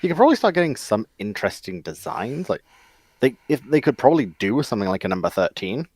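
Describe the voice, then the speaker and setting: A man's voice: mid-range voice, sing-song, fast, darkish tone, breathy edge, no echo. A man chatting casually as a panel guest, musing and hesitant as he thinks aloud. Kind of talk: casual chat.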